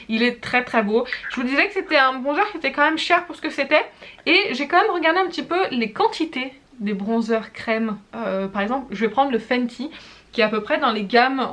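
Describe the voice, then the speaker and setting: A somewhat high-pitched woman talks through her makeup favourites in a relaxed review. She rambles in a friendly way, often hesitating and correcting herself as she tries products on camera. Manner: chatty, frequent hesitations and self-corrections; demonstrates products while talking. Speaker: beauty vlogger.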